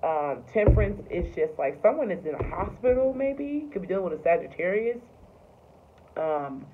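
Woman, tarot reader, casual and profane, lots of ums, tinny phone-like audio, faint hiss. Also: lowish voice. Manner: loose, profane, filler-heavy talk.

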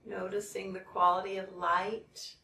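A woman leading a guided meditation in a soothing, measured way, leaving long pauses between phrases. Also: mid-range voice, little pitch movement, creaky, pushed and bright. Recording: roomy, distant mic, background noise.

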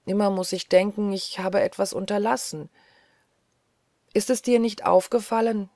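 A woman voicing a gentle, troubled male hospital doctor who reasons in a quiet, brooding way. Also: mid-range voice, fairly even intonation, normal speed, no echo, clean studio sound, lightly acted.

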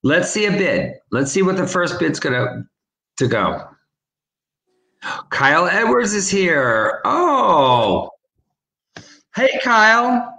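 His voice high-pitched, creaky, pushed, and bright with big pitch swings, a man co-hosts a charity livestream from his home room. Over a webcam video call he chats and rapidly repeats auction bids, with a roomy echo on the recording.

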